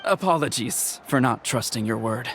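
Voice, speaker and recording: An actor playing a calm, dignified, protective tribal chief in a video game, speaking in a measured, formal way. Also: male voice, mid-range voice, heavy background noise, close to an everyday voice. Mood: courteous.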